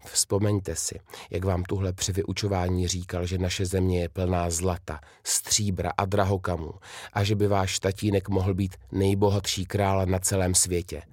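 A man's voice: deep voice, flat delivery, a little mellow, no echo, clean studio sound. A man reading a children's storybook, voicing a kind, firm young female governess who explains things emphatically. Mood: explaining.

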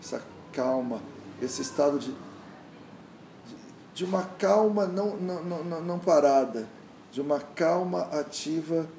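A man's voice: on the high side, normal speed, mellow. A man, a meditation teacher, talking reflectively in an interview and often restarting his thoughts as he searches for words. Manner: searching, repetitive restarts, storytelling. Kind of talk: reflective casual interview talk. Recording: echoey room with faint noise.

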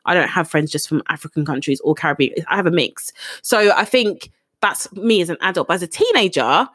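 A young adult woman, co-hosting a casual podcast chat in a chatty, animated way. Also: on the low side, no room sound, studio quality. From Ghana heritage, raised in England. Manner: animated, chatty, quick asides. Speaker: podcast co-host.

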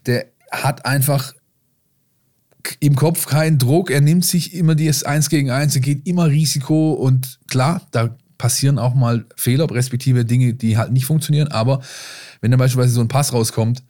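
A man's voice: medium pitch, moderate pace, dark tone. A man co-hosting a football podcast, explaining things in a casual, colloquial way. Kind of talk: casual football talk and analysis.

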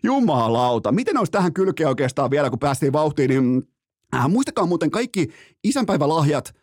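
With a sing-song delivery, a darkish tone and a voice on the high side, a podcast host rants comically about sports, stretching words for emphasis in a profane, theatrical, mock-outraged style. The studio sound is clean, with no room noise.

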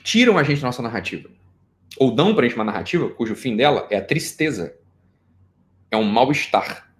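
A medium-pitched male voice, fairly quick, belongs to a middle-aged Brazilian lecturing informally about psychology. He keeps it animated and jokey, peppering listeners with rhetorical questions in a Brazilian Portuguese accent.

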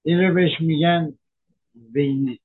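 A man, a physician from Iran, giving a measured health talk that explains medical terms, with frequent hesitations. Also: on the high side, steady tone, husky, narrow, tinny audio.

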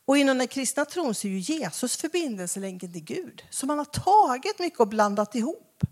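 A woman's voice: high-pitched, sing-song, a little mellow. A woman giving a Christian teaching talk, acting out conversations as she tells them. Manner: acts out dialogues with shifting voices. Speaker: Christian speaker.

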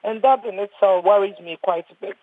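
A woman's voice: medium pitch, a little fast. A woman in her sixties from Ghana, a doctor speaking earnestly on a panel and often repeating words as she restarts. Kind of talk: panel discussion. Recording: thin phone-like line, husky and dry.

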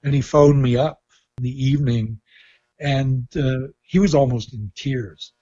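Husky, mellow man on dull lo-fi audio. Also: mid-range voice. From Canada. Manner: halting, thoughtful, opinionated. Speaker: interviewee, film journalist. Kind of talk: reflective interview talk. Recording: dull, lo-fi sound.

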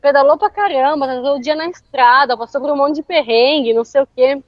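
A high-voiced woman tells an animated story, laughing as she goes. The recording is dry and a little dull. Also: fairly quick, no room sound. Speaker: interview guest. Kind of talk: casual storytelling chat.

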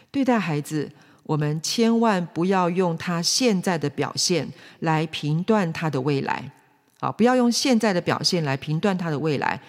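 A man speaks to parents in an earnest, storytelling way. He leans on little fillers and says his key lines twice. His voice rings in a long hall reverb. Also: fairly high pitch. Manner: earnest, with frequent fillers and repetitions.

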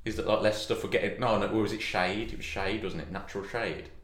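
A man's voice: on the low side, fast, a bit bright. A man co-hosting a casual chat, teasing his friend in bantering talk. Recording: echoey room.

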